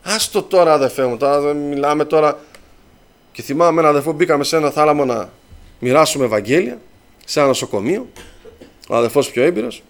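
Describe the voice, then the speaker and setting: A man's voice: fairly high pitch, animated, pauses often. A man preaching a sermon, telling stories and addressing his listeners as brothers.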